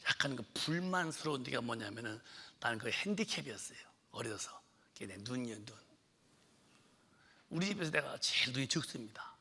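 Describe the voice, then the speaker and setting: Bright, gravelly-voiced Korean pastor telling stories. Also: male voice, medium pitch. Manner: storytelling, acts out shouting mother, drops to whispers. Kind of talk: sermon.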